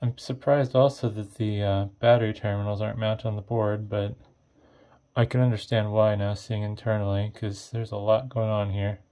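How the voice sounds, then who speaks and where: Low-key guy with a dark mellow voice, kinda deep, casually talking through a teardown, thinking out loud. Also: little pitch movement, normal speed. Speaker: host of an electronics teardown video. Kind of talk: casual off-the-cuff teardown narration.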